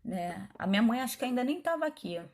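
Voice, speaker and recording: A middle-aged woman pastor, telling her testimony in a chatty, animated way, acting out the dialogue as she goes. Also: fairly high pitch, fast talker. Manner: animated, chatty, frequent asides and quoted dialogue. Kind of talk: testimony storytelling.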